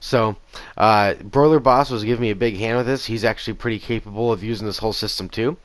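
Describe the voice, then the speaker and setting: A man in his thirties narrates his gameplay in an easygoing, rambling way, his voice raspy and a touch low. The sound is close and dry, picked up by a headset mic in a small home room. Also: fast talker, no room sound. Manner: easygoing, rambling with fillers and restarts. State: raspy voice after a concert. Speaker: gaming channel host. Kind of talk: casual gameplay commentary. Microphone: gaming headset.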